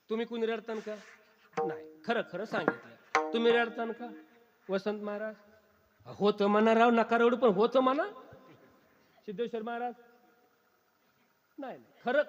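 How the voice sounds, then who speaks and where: A man's voice: very high-pitched, a bit bright, highs cut off. A male kirtan preacher giving a humorous sermon to a live audience, teasing them and quizzing the crowd with questions. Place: kirtan gathering before an audience. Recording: long hall reverb.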